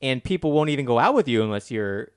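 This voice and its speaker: A man's voice: mid-range voice, expressive, fast, clean tone, no echo. Casual, hesitant man, close and dry. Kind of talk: casual chat, teasing.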